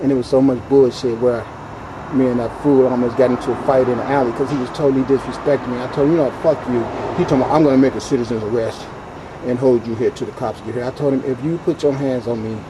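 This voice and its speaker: A man rushes along at a very fast pace while noticeable background noise plays underneath. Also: medium pitch for a man. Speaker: vlogger and scrap collector. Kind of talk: casual vlog monologue. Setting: outdoors. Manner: animated.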